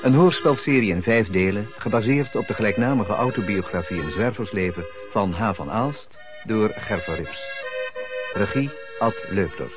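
A man's voice: on the low side, expressive, moderate pace, music in the background. A man formally reading scripted opening credits as the announcer of a radio drama.

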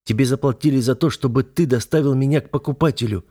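A man's voice: medium pitch, quick pace, warm tone, slightly rough, voice pushed up. A man reading an audiobook, voicing a frightened young captive woman who pleads tearfully. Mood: pleading.

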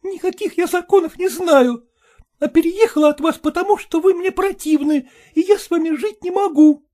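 A man's voice: very high voice, fairly quick, mellow, pitched above the performer's own voice. A man voicing a defiant young wife who answers her husband sharply and with scorn.

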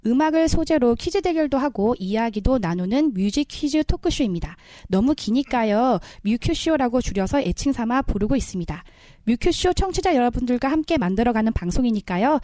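A woman with a slightly high, mellow voice hosts a small community radio show, announcing politely with soft little fillers. She has a cold, and the studio sound is close and dry. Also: dry recording. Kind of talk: friendly scripted radio hosting.

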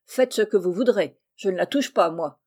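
A woman reading the part of a rough, jolly carter with loud, rustic country speech. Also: mid-range voice, normal speed, lightly acted. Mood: blustering.

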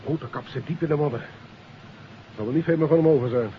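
A man's voice: on the high side, fast, natural voice. Matter-of-fact inspector played by a man, muffled radio. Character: dutiful male police inspector, matter-of-fact. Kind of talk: 1950s Dutch radio play acting. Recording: muffled, noisy 1959 radio recording.

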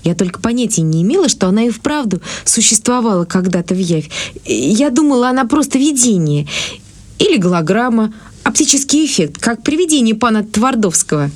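A woman's voice: on the high side, sing-song, brisk, a little mellow. An actress playing an eccentric, forthright young woman in a radio drama, chatty and idealistic. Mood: wondering. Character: eccentric, earnest, fearless young woman fighting evil.

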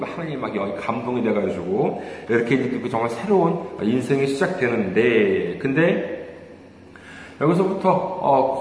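A male pastor delivers a sermon in a lively, rising and falling voice, keeping it conversational with rhetorical questions and hesitant fillers. The sound is very echoey, with a long hall reverb and faint room noise behind. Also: mid-range voice. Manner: hesitant with many fillers, chuckles while telling stories.

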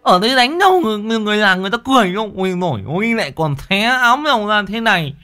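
A man's voice: sits high, very animated, rapid-fire, sharp tone, clean tone, pitched above the performer's own voice, heavily acted. A man voicing a clumsy young village man with a lisp, pleading and stammering.

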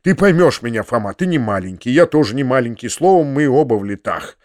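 A man voicing a kindly, flustered middle-aged gentleman who pleads earnestly and warmly. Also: medium pitch, lively intonation, brisk, no room sound, studio quality, natural voice. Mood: earnest pleading. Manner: earnest, pleading, warm-hearted.

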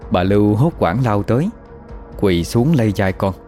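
A man narrating a horror story in a slow, measured storytelling voice. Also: on the low side, animated, dark tone, faint music behind.

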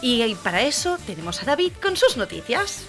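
A woman's voice: fairly high pitch, big pitch swings, a little fast, music in the background. A woman from hosting a radio comedy show, chatting and giggling in casual banter. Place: radio studio.

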